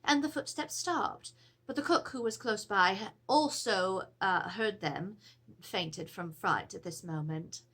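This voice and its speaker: A woman's voice: mid-range voice, unhurried. A middle-aged woman playing an Edwardian English lady, formally and theatrically reading out her letter about a haunted household. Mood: grave, uneasy. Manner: formal, theatrical, expressive storytelling. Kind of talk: dramatic reading of a period letter. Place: small room with draped cloth backdrop.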